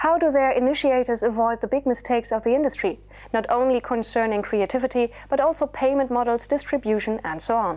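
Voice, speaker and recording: In a German accent, a woman with a high pitch speaks at a fairly quick pace with lively intonation. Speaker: web show host. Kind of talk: scripted show presentation. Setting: studio.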